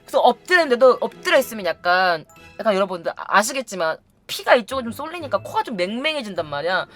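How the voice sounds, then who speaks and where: A woman's voice: medium pitch, sing-song, fast, faint music behind. A woman casually telling a funny story to her viewers, acting out other people's lines and laughing often. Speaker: YouTube storyteller.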